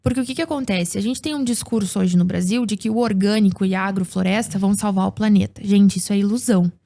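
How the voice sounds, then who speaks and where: A woman's voice: medium pitch, quick pace, gravelly, dark tone. A woman speaking as a guest agricultural producer, explaining things in a casual podcast chat and often tagging sentences with questions. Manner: explanatory, frequent tag questions.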